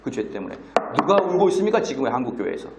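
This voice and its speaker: A middle-aged male pastor giving a lecture-style sermon at a conference. He is animated and scolding, and acts out the people he quotes. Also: medium pitch, racing, background noise. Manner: humorous asides with laughter. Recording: roomy conference hall.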